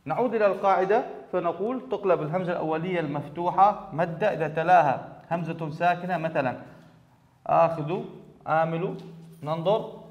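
High-voiced man teaching grammar in an echoey hall. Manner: explains step by step, often repeating key words. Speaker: Arabic teacher. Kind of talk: classroom grammar lesson. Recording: echoey hall, dull lo-fi sound.

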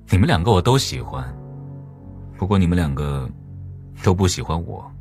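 A man's voice: low voice, big pitch swings, a little slow, darkish tone, heavily acted. A man playing a sly, teasing, sulky genius killer in an audiobook drama, with a mocking drawl. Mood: wry. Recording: music playing behind the voice.

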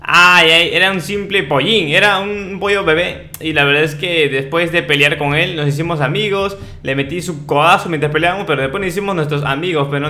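Young man, bright high voice, excitable gaming chatter. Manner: excitable, shouting at enemies, comic. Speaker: gaming youtuber. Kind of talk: playing a game.

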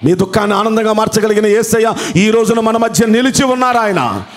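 A man's voice: high-pitched, brisk. A man preaching a sermon as pastor, telling a story dramatically, repeating phrases for emphasis and calling out hallelujah. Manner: fervent, exclaims hallelujah.

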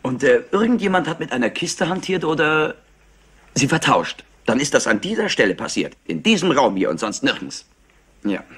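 An actor playing a clever, overexcited and smug rich nephew in a German crime drama, talkative and theatrical. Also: male voice, mid-range voice, sing-song, normal speed, fairly bright tone, breathy edge. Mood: eager, theatrical. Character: highly intelligent, overexcited, smug nephew of an industrialist. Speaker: actor dubbing a suspect. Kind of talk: German crime drama dub, animated acting.

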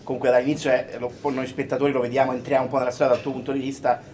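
A man's voice: medium pitch, level tone, rapid-fire, a little mellow, a little hiss or hum. A man working as an interviewer, putting conversational questions to a film cast. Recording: busy room with chatter.

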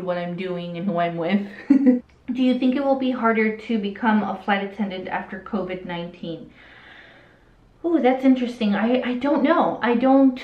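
A woman in her late twenties with a light Hispanic accent, chatting candidly as she answers viewer questions. She often trails off and restarts her sentences. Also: mid-range voice. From El Salvador, raised in Southern California. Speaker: vlogger. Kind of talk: casual Q&A while doing makeup. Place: small indoor room with a curtain backdrop. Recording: roomy, slightly dull sound.

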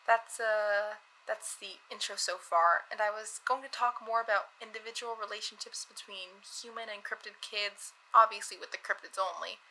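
A woman's voice: medium pitch, fairly even intonation, normal speed, few pauses, sharp tone, slight background noise, low-quality recording. A young woman playing an eager, nervous cub reporter in an audio drama, chatty, hesitant and self-conscious.

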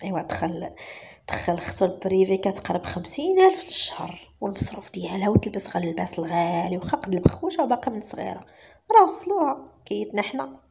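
Gossiping maids trade rumors in rapid Moroccan Arabic, conspiratorial and sly. A woman storyteller puts them on without much change to her voice. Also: medium pitch, big pitch swings, creaky, a little mellow, slight background noise. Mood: gossipy. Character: gossiping female house maids.

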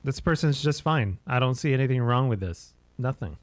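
Here a man in his thirties reacts to a horror game he's streaming, his mid-range voice animated and his speed normal. The commentary stays casual and partly joking throughout.

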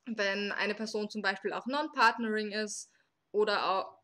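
A person in their late twenties from Austria hosting a live podcast, explaining the rules at length with small fillers. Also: female voice, medium pitch, normal speed, a bit bright. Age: 20s. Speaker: podcast host.

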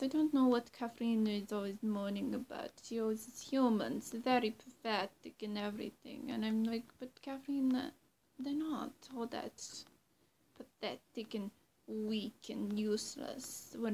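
Young woman playing a slow, high-voiced coy vampire. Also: steady tone, darkish tone, a little hiss or hum. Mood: musing, friendly. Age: young adult. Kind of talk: roleplay addressed to the listener. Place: small bright bedroom, indoors. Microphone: camera mic at arm's length or closer.

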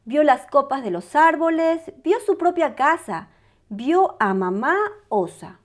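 A woman reading a storybook aloud to young children in a bright, sing-song, welcoming manner. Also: sits high, lively intonation, takes it slowly.

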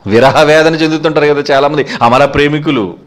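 A man's voice: fairly high pitch, a little fast. A man with a Telugu accent preaching a sermon, asking rhetorical questions and acting out quoted speakers. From India. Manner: animated, rhetorical questions, acts out quoted lovers.

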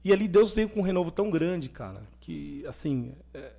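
A young adult man speaking as a podcast guest, his voice sitting a little high for a man. He tells his story with energy and plays out the lines of the people in it as he goes. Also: normal speed, vocal fry. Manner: animated testimony, acting out quoted dialogue. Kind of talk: conversational storytelling.

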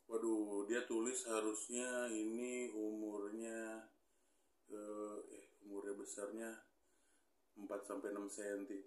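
A hobby vlogger in his thirties casually chats to camera during an unboxing in a small room with a pink wall, thinking aloud with many fillers and some mild grumbling. His voice is on the low side, and the sound is roomy.

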